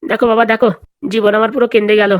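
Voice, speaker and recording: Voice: mid-range voice, level tone, rapid-fire, dry recording, studio quality, close to an everyday voice. A performer voicing an anxious, complaining older male tutor in a comedy cartoon, with a fretful, grumbling manner. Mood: despairing. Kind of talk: comic cartoon dialogue.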